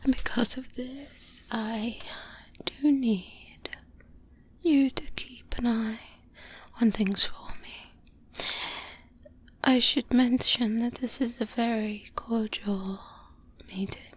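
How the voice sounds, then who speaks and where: A woman playing a calm, cautious, seasoned vampire hunter mentoring a trainee, speaking softly and breathily with murmured pauses in an ASMR roleplay. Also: on the high side. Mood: cautious, confiding. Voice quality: soft, breathy whispering. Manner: slow, hesitant, murmured pauses and hums. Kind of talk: soft-spoken ASMR roleplay. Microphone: close binaural microphone. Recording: close-up binaural with clear background noise.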